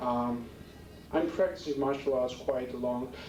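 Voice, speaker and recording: A man with fairly even intonation, amid audible room echo and noticeable background noise. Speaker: martial artist. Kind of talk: speech at a dinner. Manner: halting, many fillers.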